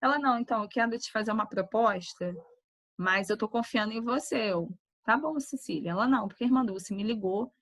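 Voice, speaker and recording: A woman's voice: fairly high pitch, no echo. Chatty woman telling a story. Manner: chatty, animated anecdote with quoted voices. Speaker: nursing teacher. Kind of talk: casual class talk, storytelling. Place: online class.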